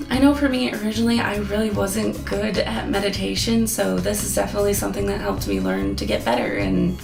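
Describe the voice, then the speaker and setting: Hoarse young woman, gravelly vlog voice. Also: medium pitch, animated, fairly quick. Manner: chatty, earnest, rambling. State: losing her voice. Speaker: app reviewer. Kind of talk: casual review vlog. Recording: echoey room with guitar music.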